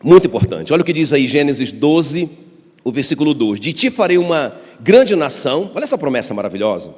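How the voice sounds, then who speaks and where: Brazilian male pastor, lively preaching voice, call-and-response with the congregation, long church hall reverb. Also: fairly high pitch, a little fast, husky. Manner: animated, with personal stories and congregation call-and-response. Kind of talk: sermon.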